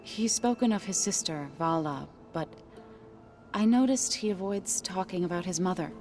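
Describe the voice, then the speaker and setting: An actress playing a gentle, curious tribal woman in a video game, earnest and careful, with slightly formal phrasing. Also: lowish voice, normal speed, soft background music, lightly acted. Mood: tentative, sincere. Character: gentle, curious tribal healer woman, devout about nature. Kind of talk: naturalistic video game acting.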